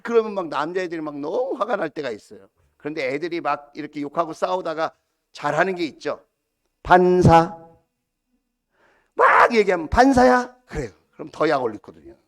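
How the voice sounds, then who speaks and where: A male pastor preaching a sermon, animated, full of rhetorical questions and acted-out quotes. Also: a little high, fast talker. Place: church sanctuary.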